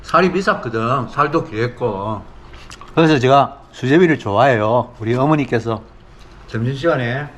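A man's voice: mid-range voice, slight background noise. A middle-aged man from South Korea hosting a casual eating show, talking expressively as he savors his food, at times with his mouth full. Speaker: mukbang host.

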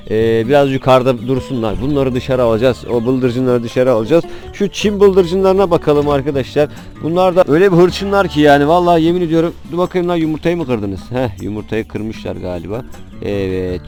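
A man's voice: a little high, darkish tone. A man with a Turkish accent chatting casually to viewers as he tends his chickens in a backyard coop, talking fondly to the birds. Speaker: poultry vlogger. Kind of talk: casual chat to viewers while tending chickens.

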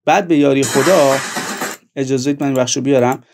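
A man's voice: medium pitch, steady tone, gravelly, noisy background. A man giving online video commentary, speaking earnestly and directly to his viewers.

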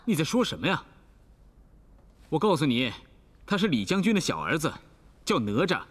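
Lively male martial-arts master. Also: fairly high pitch, moderate pace. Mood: exasperated. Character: patient martial-arts master, exasperated by his wife. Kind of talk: costume television drama acting. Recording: music under the dialogue.

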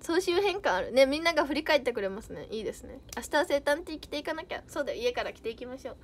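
A woman's voice: high-pitched, big pitch swings, racing, a little hiss or hum. A young woman idol chatting casually on a livestream, reading out viewer comments with bubbly giggles.

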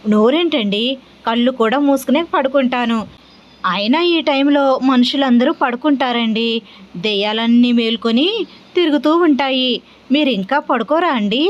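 A woman's voice: sits high, normal speed, highs cut off, lightly acted. A woman voicing a playful wife who teases her husband with innocent, sing-song questions. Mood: innocently teasing.

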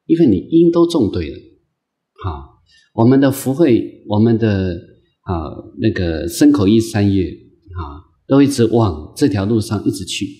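Gentle low-voiced monk giving a slow dharma talk. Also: male voice, sing-song. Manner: gentle, repetitive phrasing with many drawn-out "ah" fillers; slow, patient, coaxing delivery. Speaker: Buddhist monk lecturing on a sutra. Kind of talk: unscripted dharma lecture.

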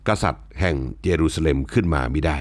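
A man with a very low voice reads his own reflective essay aloud, taking his time over each phrase. His tone is wry and polite, and the sound is close and dry, with no room around it. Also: no room sound. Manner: measured, wry, unhurried delivery; polite, ends phrases with the male particle. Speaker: commentator.

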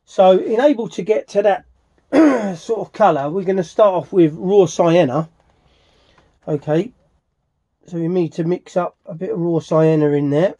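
A middle-aged man giving a casual hands-on tutorial as a restorer, haltingly thinking aloud as he works. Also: high voice, warm tone, no echo. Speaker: furniture restorer demonstrating his work. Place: small cluttered indoor workshop.

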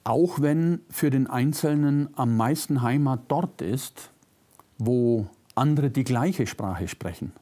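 An older man with a faint Bavarian-Swabian German accent, reading a prepared lecture as a philosopher, measured and reflective, lifting his voice on key words. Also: mid-range voice, warm tone. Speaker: philosopher giving a public lecture. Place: lecture room, seated at a desk. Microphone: lapel mic.

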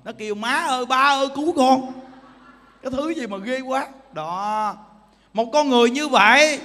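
A man's voice: high-pitched, fairly bright tone, long reverb tail. A male Buddhist monk, preaching a sermon emphatically and pressing his listeners with rhetorical questions.

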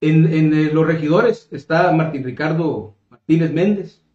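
A man's voice: a little high, a little slow, mellow. A man in his fifties with a northern Mexican accent, answering interview questions conversationally, often hesitating and repeating words as he searches for the next. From Mexico, coast of Caborca in Sonora. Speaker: political candidate being interviewed. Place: small indoor room, seated at a table. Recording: roomy echo, slightly dull sound.

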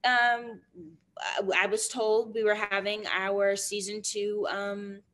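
A young woman speaks as a guest over a video call from a small indoor room. She tells her stories in an animated, quick way, her pitch sitting in a middle range, and fills her sentences with ums and restarts. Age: young adult. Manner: animated, quick storytelling with fillers and repeats. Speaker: guest actor.

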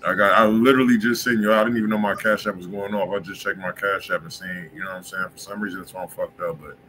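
Brief: very deep male host, crisp forceful edge, relaxed slangy chat, faint room hum. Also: fast. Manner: laid-back, slangy, agreeable. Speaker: music review stream host. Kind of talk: casual live stream chat.

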